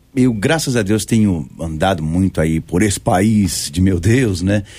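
A man with a fairly low pitch and ordinary pitch variation speaks at a very slow pace with very even loudness. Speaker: pastor and voice dubbing actor.

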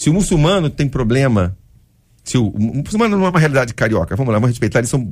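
Rushing at a very fast pace, a man of medium pitch swings very widely in pitch. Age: 40s. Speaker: pastor. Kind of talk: radio panel debate. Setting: radio studio.

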